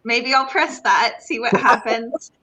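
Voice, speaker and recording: A woman with a high, bright voice. She moderates an online panel in an informal, conversational style. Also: a little slow, rough recording. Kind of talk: casual event hosting.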